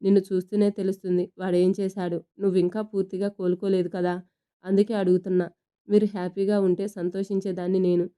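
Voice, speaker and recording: A woman's voice: medium pitch, level tone, quick pace, mellow, smooth, close to an everyday voice. A woman reading as a firm young doctor mother. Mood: concerned.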